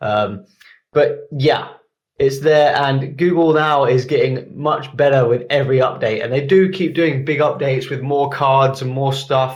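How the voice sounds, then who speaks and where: A man with an English accent speaks at a moderate pace, somewhat breathy and fairly high in pitch. His intonation stays fairly even. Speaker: tech reviewer. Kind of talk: tutorial. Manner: casual, hesitant with many ums.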